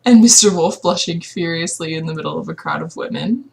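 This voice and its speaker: A woman voicing a young heroine who narrates her romance story in a measured read-aloud of a visual novel. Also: on the low side, gravelly, warm tone. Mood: observant.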